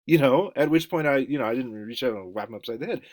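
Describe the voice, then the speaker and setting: A man giving a lecture, halting with many fillers and restarts. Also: mid-range voice, lively intonation, a little mellow. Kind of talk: recorded lecture.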